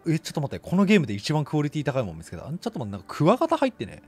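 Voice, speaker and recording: A young man commentating live on a horror game in rough casual speech, blurting exclamations and sarcastic quips. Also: fairly high pitch, huge pitch swings, rapid-fire, darkish tone, faint music behind. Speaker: game streamer. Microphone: desk streaming mic, indoors.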